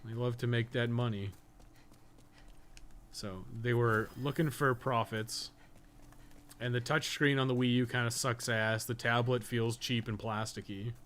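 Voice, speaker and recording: A man's voice: medium pitch, steady tone, a little slow, fairly bright tone. A man rambling casually on a gaming live stream, swearing often as he talks. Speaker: gaming streamer and podcast co-host. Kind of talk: casual live-stream chat while playing.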